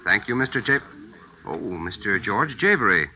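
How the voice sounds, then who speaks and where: An actor playing a polite, deferential hotel desk clerk in an old radio drama, formal and obliging. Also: male voice, on the low side, very animated, normal speed, sharp tone, slight background noise, full character voice. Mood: courteous, obliging. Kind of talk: 1940s radio drama acting. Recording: dull old radio recording.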